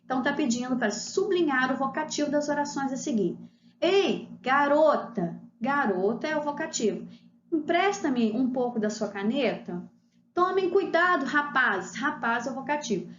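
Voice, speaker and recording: A woman with a high voice teaches a video lesson, walking through exercises and asking her students questions as she goes. The sound is roomy and a little dull, with faint noise behind her. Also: animated, brisk. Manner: explains step by step, asks the class rhetorical questions.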